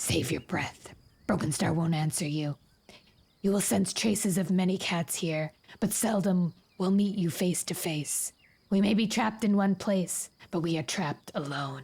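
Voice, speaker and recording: A woman uses a put-on character voice at medium pitch, soft-spoken yet hissing and growling. She talks at a moderate pace on a very clean recording with a silent background. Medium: virtual streamer. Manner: menacing, cold and contemptuous.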